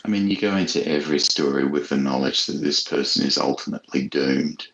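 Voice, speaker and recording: A man's voice: extremely low pitch, a little fast, fairly bright tone, poor audio. A man chatting casually and reflectively as an interview guest, an author with a hesitant, thoughtful, modest manner.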